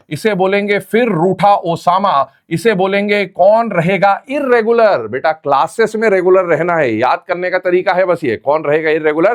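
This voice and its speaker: A man teaching chemistry in a classroom-style lecture, repeating memory tricks slowly and calling his students "beta". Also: high-pitched.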